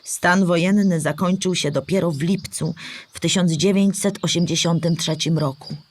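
A woman playing a patient storyteller who explains history to children in a scripted audio play, with clear, measured delivery. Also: lowish voice, steady tone, a little mellow, close to an everyday voice. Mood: explanatory, patient.

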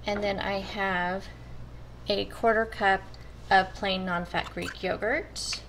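A woman explains her meal prep step by step in a relaxed, friendly chat, talking straight to her viewers. Her voice sits at an ordinary middle pitch. A steady background noise runs under the home kitchen recording. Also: slow. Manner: chatty, addresses viewers as you guys. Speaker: cooking vlogger. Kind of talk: casual step-by-step cooking talk.

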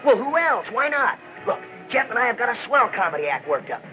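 An actor playing a cocky, argumentative young pageboy in a 1940 Hollywood film, with an American accent and brash, slangy talk. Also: male voice, very high-pitched, sing-song, brisk. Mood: eager. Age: young adult. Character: cocky young radio studio pageboy, quick to argue. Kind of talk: 1940s Hollywood film acting. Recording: muffled old film soundtrack, faint music.

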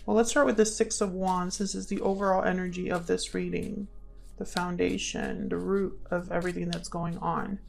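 A woman's voice: fairly low pitch, level tone, moderate pace, vocal fry, darkish tone, soft background music. A woman hosting a casual tarot reading for viewers, musing aloud as she explains and calls on spirit guides. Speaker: tarot reader and channel host.

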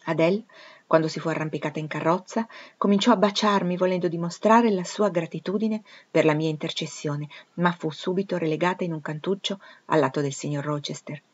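A woman narrating a classic novel as an audiobook, in an even, careful reading voice. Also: on the low side, a little fast, muffled recording. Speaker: audiobook reader.

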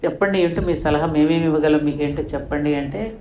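A woman's voice: low-pitched, a little fast, dull audio, a little hiss or hum. Older female guest, fervent storytelling voice, roomy echo. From India. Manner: impassioned, rising to emphatic peaks. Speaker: guest speaker. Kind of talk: storytelling in an interview.

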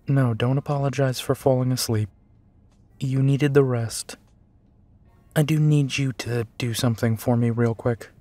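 A man's voice: medium pitch, dark tone, natural voice. A man playing a big, tired, protective werewolf detective in an intimate, conversational audio drama, with a musing, sighing manner. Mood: gentle, tired. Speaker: voice actor in audio roleplay.

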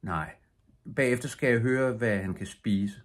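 A grieving, devoted young fishing boy from an audiobook, speaking earnestly and quietly, as a man reads him. The voice sits a little higher than the reader's own, with a husky grain. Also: close to an everyday voice.

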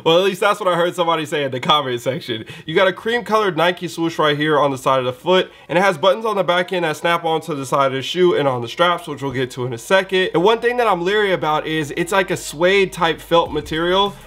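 A man's voice: fairly high pitch, quick pace, hardly any pauses, fairly bright tone. A young man with a stuffy, nasal voice from a cold, hosting a laid-back, slangy sneaker review. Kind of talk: casual product review. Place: indoor studio with shoe shelves.

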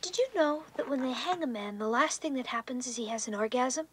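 A woman voicing a blunt, teasing child in a family cartoon, with a husky voice. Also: sits high, lively intonation, a little fast, a bit bright, no room sound, full character voice.

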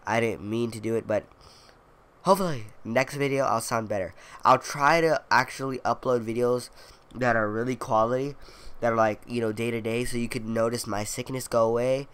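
A young gaming video creator records casual commentary over gameplay, clearly congested and coughing now and then. He rambles about his week in a loose, filler-heavy way and throws in playful brags. Beneath the stuffiness his voice is smooth, mid-pitched and fairly bright, with fairly even intonation and normal speed.

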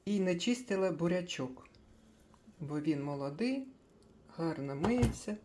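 Slow, soft-spoken older woman. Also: lowish voice, expressive, a little hiss or hum. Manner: chatty, thinks aloud, small laughs. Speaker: cooking vlogger. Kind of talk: casual kitchen chat.

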